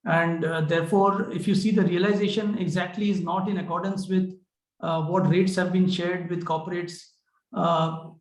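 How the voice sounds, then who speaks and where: Higher-pitched Indian man, roomy echo. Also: little pitch movement, normal speed. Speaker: company finance executive. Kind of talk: answering analyst questions on an earnings call. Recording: roomy, echoing conference call.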